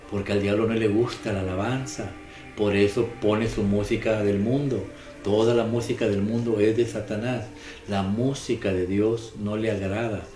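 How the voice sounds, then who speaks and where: A man's voice: fairly low pitch, mellow. A man preaching a sermon, emphatic and repetitive, putting questions to his listeners. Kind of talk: sermon on the daily gospel. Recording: echoey room with music behind.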